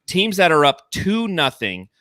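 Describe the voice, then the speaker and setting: A man hosting a sports podcast, hyping up his team with playful banter and drawn-out emphasis. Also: sits high, big pitch swings, pushed and bright, no echo, studio quality. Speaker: podcast host.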